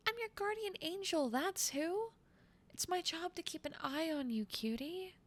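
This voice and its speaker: A woman's voice: very high voice, animated, unhurried, a bit bright, full character voice. A woman playing a motherly guardian angel girl in an ASMR roleplay, doting and coaxing with mild scolding. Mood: fussing, teasing.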